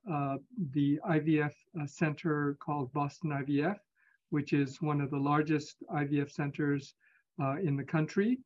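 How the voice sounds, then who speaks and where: A man in his fifties from Singapore, a physician answering interview questions in a measured, hesitant way. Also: fairly high pitch, highs cut off. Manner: measured, hesitant, with many pauses. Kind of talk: conversational interview.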